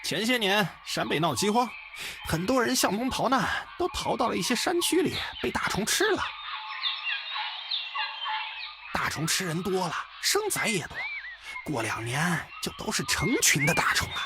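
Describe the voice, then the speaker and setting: A man playing a loud, cruel, gleeful bandit thug in a visual novel, brash and threatening in a theatrical way. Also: sits high, big pitch swings, normal speed, vocal fry, heavy background noise, full character voice. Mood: chatty, sly. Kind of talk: voiced visual novel dialogue in Mandarin. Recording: music playing loudly behind.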